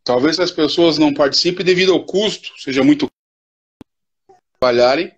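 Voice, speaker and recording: An older man, a futsal coach, talking in an unhurried, reflective way as a guest in a casual live interview over a video call. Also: a little high, breathy edge, lo-fi sound.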